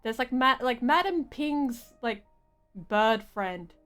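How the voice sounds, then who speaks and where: A young woman giving casual live game commentary, rambling and halting, with slangy phrasing. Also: fairly high pitch, expressive, a bit bright, faint music behind. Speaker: game streamer.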